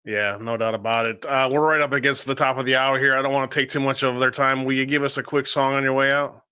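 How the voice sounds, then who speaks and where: A man hosting a livestream interview, speaking in upbeat, quick wrap-up talk. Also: mid-range voice, fairly even intonation, bright, forceful tone, clear, resonant tone. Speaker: host.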